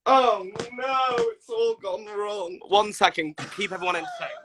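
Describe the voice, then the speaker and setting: A man chatting over a phone video call, flustered and excitable, with his audio breaking up over a bad internet connection. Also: high-pitched, normal speed, crowd noise. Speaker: guest on a livestream. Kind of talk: casual chat.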